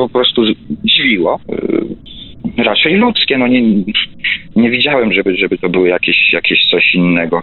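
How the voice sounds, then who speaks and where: At a moderate pace, a man talks while noticeable noise carries on in the background. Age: 30s. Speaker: caller, witness of paranormal events. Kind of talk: phone-in testimony. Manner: halting, repetitive stammering.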